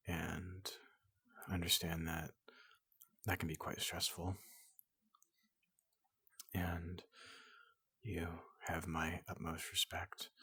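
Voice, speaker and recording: Gentle giant robot doctor for ASMR roleplay: hushed, whispery, reassuring, very unhurried, recorded dry. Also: low-pitched, dry recording. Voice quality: breathy, often whispering. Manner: slow, halting, reassuring. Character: large gentle robot doctor soothing a human patient. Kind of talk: soft-spoken ASMR roleplay.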